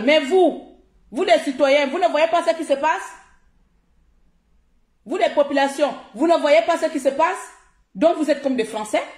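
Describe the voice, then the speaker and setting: A woman from Gabon with a high voice scolds her viewers in a heated live-stream rant, hammering her points by repeating them. She talks into her phone in an echoey room. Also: a little mellow. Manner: confrontational, scolding, repeats herself for emphasis. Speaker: social media live streamer.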